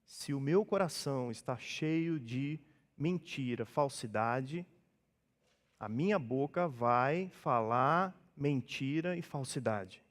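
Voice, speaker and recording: Brazilian pastor preaching in a reverberant church. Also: male voice, medium pitch, animated, takes it slowly. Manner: conversational preaching, acts out dialogues in changed voices. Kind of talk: sermon. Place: church hall.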